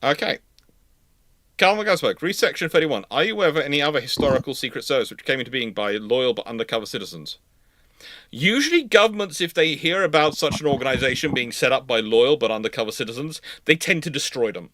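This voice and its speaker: A man hosting a live panel discussion, answering questions in a measured, emphatic and opinionated way. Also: mid-range voice, lively intonation, a bit bright, no room sound. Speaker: live stream host answering viewer questions.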